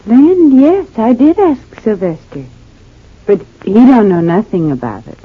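An actress playing a kindly, homespun older matriarch with country turns of speech, in old radio-drama style. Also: female voice, on the high side, very animated, measured pace, slightly rough, full character voice. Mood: homely warm. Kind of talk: 1940s radio acting. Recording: tinny thin old radio recording.

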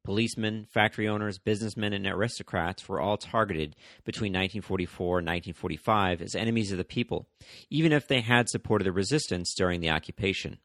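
A man with a very low voice reads his history podcast narration. His delivery is measured, with an occasional "uh" or a restarted word. The recording is close and dry. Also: fairly bright tone, no room sound. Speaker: podcast host.

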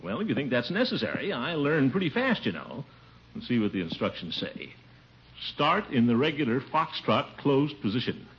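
An actor playing a pompous, bumbling middle-aged bachelor uncle in a 1950s radio sitcom, blustering and chuckling. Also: male voice, mid-range voice, very animated, moderate pace. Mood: fussy. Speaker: lead comic character. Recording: dull old radio broadcast.

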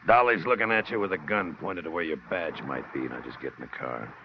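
Cold gangster heavy, very deep, curt orders, hissy old radio. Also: male voice, brisk. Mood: commanding. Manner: curt, commanding. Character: cold-blooded male gangster killer. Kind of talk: 1950s radio drama acting. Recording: dull old radio broadcast, hiss.

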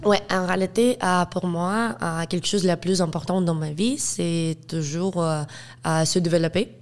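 Young woman, Ukrainian accent, eighteen, hesitant, frequent fillers, fairly low voice. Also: fairly even intonation, moderate pace. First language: Russian and Ukrainian. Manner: hesitant, many "euh" fillers, laughs often. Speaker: guest, student. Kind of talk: casual interview.

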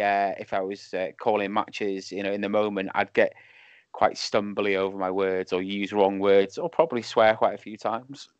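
A man in his thirties with a lisp, talking casually as a podcast guest over a remote call, self-deprecating and halting. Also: lowish voice, smooth, no echo. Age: 30s. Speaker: podcast guest, wrestling referee. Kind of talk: casual chat. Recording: dull lo-fi call audio.

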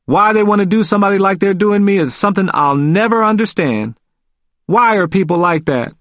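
Guy doing a confused old fella for an audiobook, high voice, emphatic, repeats himself, folksy grammar, really up and down. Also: sing-song, normal speed, a bit bright, dry recording, studio quality. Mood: mournful, agitated. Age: older. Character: confused, frightened elderly man pleading in hospital.

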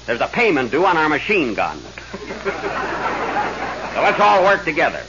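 A commanding comic gang leader gives orders in a lively, fairly high voice. The old radio comedy recording sounds muffled. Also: male voice, moderate pace, faint music behind, exaggerated voice. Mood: bossy, brisk. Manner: commanding, wisecracking. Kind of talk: 1930s-40s radio comedy acting.

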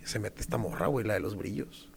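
A man's voice: lowish voice, fast talker, vocal fry, husky. A young man telling a story in casual chat, slangy, laughing often and swearing freely.

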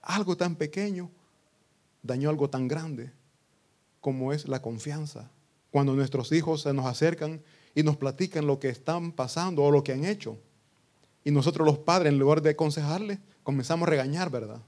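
A pastor preaching a sermon to his congregation, breaking into loud outbursts and acting out what people say. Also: a little high, normal speed. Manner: preaching with sudden loud outbursts and acted quotes.

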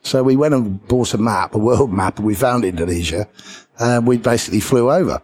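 A middle-aged man with a British English accent, a podcast guest telling anecdotes in a lively way and chuckling between lines. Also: medium pitch, a little fast. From England. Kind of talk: anecdotal storytelling in an interview.

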